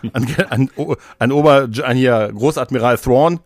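Guy podcast co-host, chatty and rambly, slangy, medium pitch, really dry recording. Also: unhurried, dry recording. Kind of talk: casual chat.

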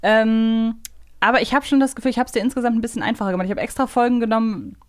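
A woman's voice: fairly high pitch, steady tone, fast talker, a little mellow, clean tone. A woman co-hosting a podcast, chatting casually through a quiz and thinking aloud as she goes. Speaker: podcast co-host.

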